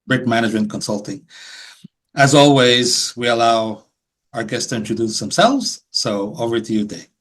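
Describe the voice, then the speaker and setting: Filipino man, talk show host, husky breathy voice, slow halting delivery, restarts and pauses. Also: medium pitch, expressive, a bit bright. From Philippines. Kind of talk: hosting an interview show.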